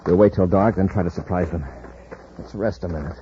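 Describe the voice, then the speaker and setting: Man playing a calm heroic space commander, low mellow voice, decisive orders, dull old radio sound. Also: fairly quick, slight background noise, lightly acted. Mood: determined. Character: resolute male space commander, hero. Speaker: radio actor. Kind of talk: 1950s radio drama acting.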